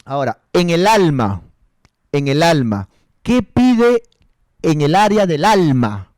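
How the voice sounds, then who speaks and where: A man's voice: on the high side, sing-song, slow, darkish tone, no echo, clean studio sound. A male pastor giving a counseling sermon, repeating rhetorical questions and calling his listeners brother and sister.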